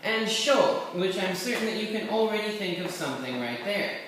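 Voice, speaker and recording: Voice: mid-range voice, animated, normal speed, a bit bright, far from the mic. A person giving a laid-back, rambling tutorial while writing characters, with offhand asides. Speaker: language tutor. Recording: very echoey room, voice set back from the mic, faint hiss.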